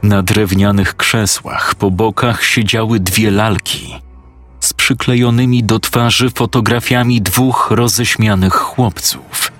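A man narrating a scripted horror story in a measured, suspenseful way. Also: fairly low pitch, fairly even intonation, fairly bright tone.

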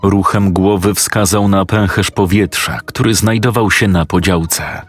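A man narrating a scripted story in a steady, matter-of-fact way. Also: low voice, unhurried, soft background music.

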